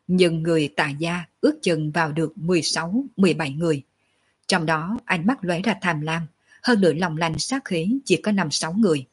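A woman hosting an audiobook channel, reading a serialized novel aloud with steady narration. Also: sits low, breathy edge.

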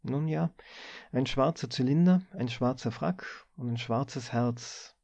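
A man reading a story aloud as an audiobook, in measured, deliberate scripted narration. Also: mid-range voice, creaky, a little mellow, dry recording. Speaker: audiobook reader.

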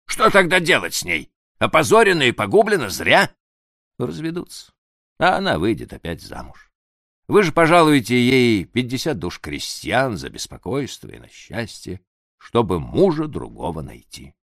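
A man's voice: medium pitch, huge pitch swings, normal speed, vocal fry, a bit bright, no room sound, studio quality, pitched above the performer's own voice, heavily acted. A man reading an audiobook, voicing an older prince who frets and coaxes for an answer. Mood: musing.

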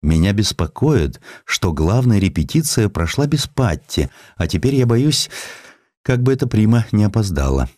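A man's voice: fairly low pitch, sing-song, normal speed, a little mellow, no echo, clean studio sound. A man voicing a reserved male orchestra conductor in a storybook reading, formal, polite and insistent. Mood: worried.

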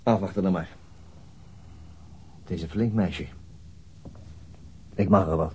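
An actor playing a weary, worried police detective in a radio drama, with a husky voice and a brooding, measured manner. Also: male voice, low-pitched, dark tone, heavily acted. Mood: weary, frustrated.

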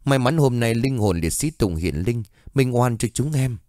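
A smooth-talking woman psychic addresses a crowd with persuasive exclamations, as a man narrating puts her on. The delivery is lively and recorded dry and close. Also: mid-range voice, moderate pace, no echo, natural voice.

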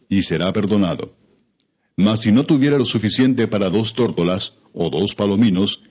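A man reading scripture as an audiobook narrator, in a solemn, formal and measured scripted delivery. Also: fairly low pitch, a little mellow, lo-fi sound.

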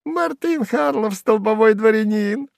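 A man voicing a shrill, mocking old hanger-on who chatters and cackles in a squeaky, sing-song voice. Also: expressive, a little slow, creaky, no echo, studio quality, full character voice. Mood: jeering. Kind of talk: audiobook character voice.

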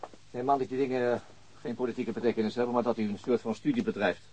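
Man acting a reserved police inspector, radio play, husky mid-range voice, formal, few words, bit hesitant. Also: mid-range voice, fairly even intonation, fast, a little mellow, close to an everyday voice, low-quality recording. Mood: formal, measured. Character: reserved, polite male police chief inspector. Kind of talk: naturalistic radio drama acting in Dutch.

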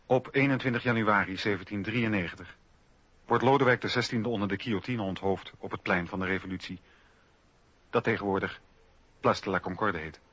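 Guy narrating radio history doc, forceful husky voice, measured and factual, kinda dull lo-fi audio. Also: fairly low pitch, no room sound.

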